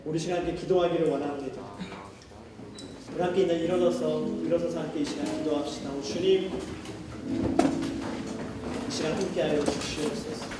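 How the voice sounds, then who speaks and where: A pastor preaching, then leading a fervent prayer that rises to loud pleading. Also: male voice, on the high side, fairly even intonation, racing, pauses often, very noisy. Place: church worship hall. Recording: echoey hall from far off with music.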